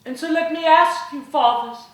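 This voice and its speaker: A woman playing an earnest, gentle woman abolitionist who speaks in measured, pleading oratory, in an echoey hall. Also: high voice, distant mic, lightly acted. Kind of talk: one-woman historical storytelling performance. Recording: echoey hall, faint room noise.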